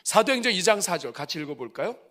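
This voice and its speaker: A middle-aged man preaching at a church revival, moving from soft asides to loud cries. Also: high-pitched, very animated, fast talker. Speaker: pastor. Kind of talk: revival sermon. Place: church sanctuary.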